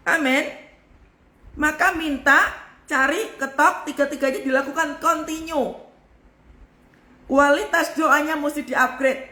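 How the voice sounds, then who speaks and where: A woman preaches a live devotional sermon in a high, ringing voice. She drives her points home with a forceful, emphatic intonation. The sound carries a noticeable room echo. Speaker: pastor.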